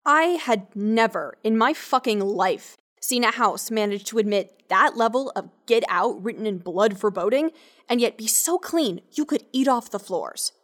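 High-voiced, awkward, wry woman scientist. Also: animated, moderate pace, a bit bright. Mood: wry, uneasy narration. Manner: rambling, hesitant, sarcastic. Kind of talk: naturalistic audio drama acting with first-person narration.

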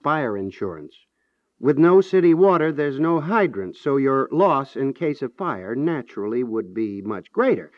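An actor in a 1950s radio comedy playing a measured property adviser who delivers bad news with deliberate, hesitant understatement. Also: male voice, mid-range voice, big pitch swings, dry recording. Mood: dry, matter-of-fact. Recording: dull 1950s radio recording.

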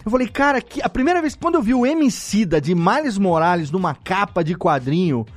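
Animated high-voiced Brazilian podcast host. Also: male voice, a little fast, dry recording. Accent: Brazilian Portuguese. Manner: lively, joking, animated. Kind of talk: casual podcast chat.

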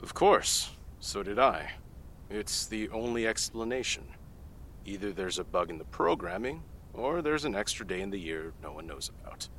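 A man's voice: fairly low pitch, animated, moderate pace, fairly bright tone, a little hiss or hum. A man playing a CIA analyst giving testimony in an audio drama, matter-of-fact and growing incredulous. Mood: skeptical. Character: guarded male CIA analyst under questioning.

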